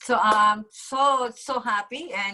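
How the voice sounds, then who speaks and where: With a Latin American accent, a woman speaks at a fairly high pitch in a bright, sharp tone with fairly even intonation. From South America. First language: Spanish. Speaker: network marketing business owner. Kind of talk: interview on a group call. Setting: group call.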